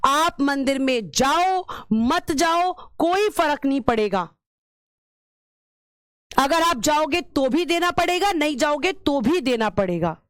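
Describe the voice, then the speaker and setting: A woman's voice: high-pitched, dry recording, clean studio sound. A woman teacher giving an exam-prep lecture, repeating key terms and asking and answering her own questions, calling her students "beta".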